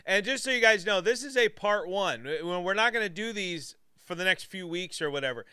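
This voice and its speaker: A man's voice: high voice, animated, brisk, sharp tone, smooth, no echo, clean studio sound. A man hosting a casual live show, introducing guests with upbeat enthusiasm. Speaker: host.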